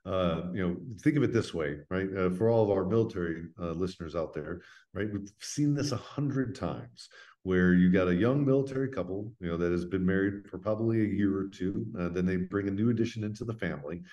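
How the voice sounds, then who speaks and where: Deep, mellow American man explaining earnestly. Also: brisk, highs cut off. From United States. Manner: earnest, plain-spoken, often checks with "right?". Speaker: interview guest, veterans' foundation representative. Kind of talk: conversational interview explanation.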